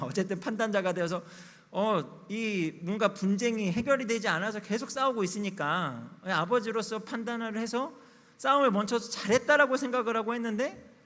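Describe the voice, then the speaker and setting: Thirties male pastor, slightly high voice, candid confessional sermon, church reverb. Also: a bit bright. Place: church sanctuary.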